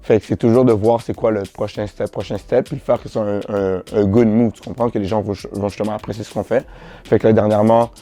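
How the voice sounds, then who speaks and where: A young man with a Québécois French accent, answering interview questions in a relaxed, slangy way, often restarting his sentences. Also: on the low side, fast. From Montreal, Canada. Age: teens. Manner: relaxed, slangy, repeats himself with many restarts. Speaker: boutique founder, interviewee.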